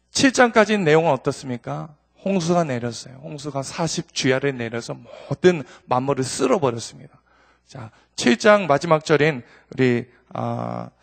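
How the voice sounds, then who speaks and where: A man's voice: fairly high pitch, vocal fry. A middle-aged male pastor preaching a sermon, building to emphatic peaks and inviting the congregation to repeat after him. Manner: preaching with rising emphasis and call-and-response.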